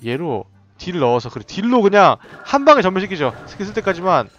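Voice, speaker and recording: A man giving excited, running commentary while playing a tower defense game, often laughing and reacting out loud. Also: high voice, fast talker, dull audio, soft background music. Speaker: game streamer. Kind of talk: live gameplay commentary.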